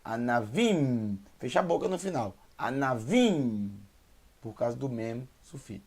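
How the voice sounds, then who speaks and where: A man with a Brazilian Portuguese accent teaching beginner Hebrew, sounding out syllables slowly and repeating each word. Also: medium pitch, lively intonation, creaky, darkish tone, slightly rough. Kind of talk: slow beginner language lesson.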